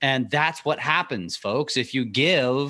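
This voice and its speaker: A man with an American accent and a fairly high, bright, sharp voice against a quiet background. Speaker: podcast host. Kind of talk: casual interview, ad reads.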